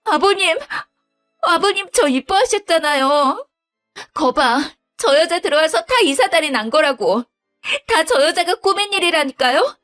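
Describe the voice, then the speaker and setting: A woman voicing a scheming young wife who begs and stammers in a whiny, high voice. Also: animated, unhurried, a bit bright, soft background music, exaggerated voice. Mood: indignant. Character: pleading scheming young wife, daughter-in-law.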